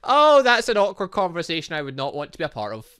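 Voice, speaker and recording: A talkative man, commenting casually on a visual novel he reads out. His voice is bright and crisp, and his pitch leaps about as he talks, breaking into asides and chopped-off words. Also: wildly swooping pitch, quick pace. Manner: chatty, laughing asides, restarts mid-word. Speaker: gaming channel host reading a visual novel aloud. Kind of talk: casual let's-play commentary and reading game dialogue.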